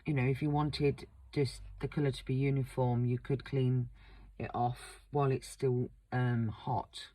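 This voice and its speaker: A woman with a croaky, slightly sore-throated voice talks through a wax seal craft demonstration in a relaxed, rambling way. Her pitch stays flat and level, and she fills pauses with frequent ums. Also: no room sound, poor audio. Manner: relaxed, chatty, many ums. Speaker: craft channel host.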